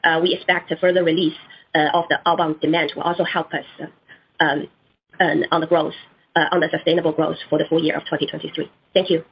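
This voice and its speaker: A woman's voice: low-pitched, flat delivery, a little fast, vocal fry, husky. A woman executive giving formal, prepared-sounding answers on an earnings call, with hesitant moments. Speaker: company executive. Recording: muffled conference call audio.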